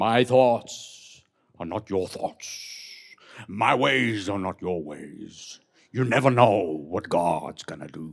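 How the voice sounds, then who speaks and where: A man does a put-on character voice, fairly low in pitch, at a very slow pace with lively intonation and big swings in loudness. The recording is very clean with a silent background. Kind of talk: religious sermon style. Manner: exaggerated, changed preaching voice.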